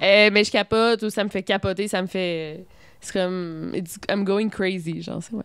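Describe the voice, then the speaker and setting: A woman with a Quebec accent speaks at a fairly slow pace and medium pitch, her intonation fairly even while her loudness swings widely. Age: 20s. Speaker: true crime YouTuber and author. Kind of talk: interview. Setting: hotel room.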